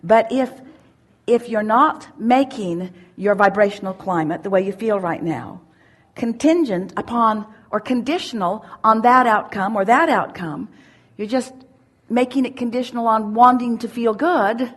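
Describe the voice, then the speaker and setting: A woman giving a spiritual teaching at a seminar, speaking as "we" in an emphatic, drawn-out way. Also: fairly high pitch. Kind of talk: channeled teaching in first person plural.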